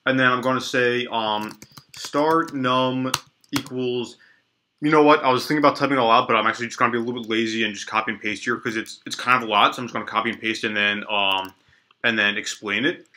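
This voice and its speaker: A young man talks through a coding tutorial from a small room, his voice slightly stuffy from allergies. His tone is bright and forward. He thinks out loud, stumbling and restarting with plenty of ums. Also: medium pitch, quick pace. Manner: relaxed, lots of ums and restarts, thinks aloud while typing. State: congested from allergies, sniffling. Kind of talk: casual screen-recorded coding tutorial. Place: small indoor room at a desk.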